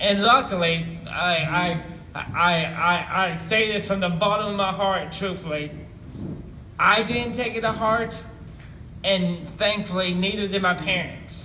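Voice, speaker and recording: Raising and projecting his high-pitched voice, a man speaks at a fairly slow pace with fairly even intonation, with audible room echo. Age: young. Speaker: motivational speaker. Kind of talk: motivational speech. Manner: halting.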